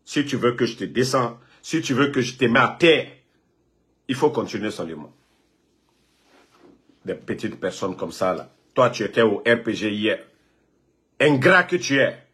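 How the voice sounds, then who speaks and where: Bright-voiced man scolding on a live video. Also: on the low side, moderate pace, pauses often. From Guinea. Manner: scolding, taunting, repeats himself. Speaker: political online commentator.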